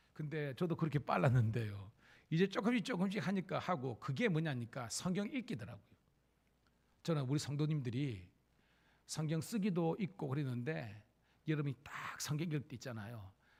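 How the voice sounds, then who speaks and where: This man's voice sits fairly high and swings very widely in pitch, somewhat breathy. He keeps a moderate pace broken by long, frequent pauses. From South Korea, Gyeongsang region. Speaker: pastor. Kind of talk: sermon. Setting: church.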